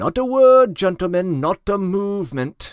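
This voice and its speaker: In a put-on character voice, a man speaks with a high pitch and lively intonation. His pace is moderate, and the sound is dry and close with no echo. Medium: read story. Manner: grave, solemn.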